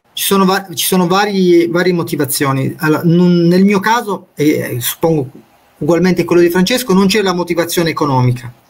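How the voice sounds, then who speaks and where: The man's pace is fairly quick. His voice sits at a high pitch with ordinary pitch variation. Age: 40s. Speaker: software developer; guest. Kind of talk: casual chat. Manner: halting. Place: home room. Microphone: webcam.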